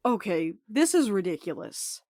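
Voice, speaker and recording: Naturalistic audio drama courier, actress, dry-humored and blunt, mid-pitched, close dry sound. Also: female voice, big pitch swings, moderate pace, darkish tone, dry recording. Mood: exasperated, uneasy.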